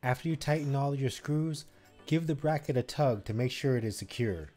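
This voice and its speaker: Man, mid-pitched, instructive how-to voice-over with faint music behind. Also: moderate pace, a little mellow. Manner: instructive, step-by-step. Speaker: DIY channel co-host.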